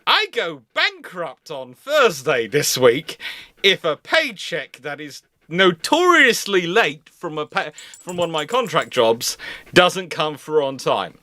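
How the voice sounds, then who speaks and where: A man with a bright, forceful voice talks casually on a livestream. He rambles and vents with exasperation. The sound is close and very dry, with hardly any room. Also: fairly high pitch, big pitch swings, takes it slowly, dry recording. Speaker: livestream host.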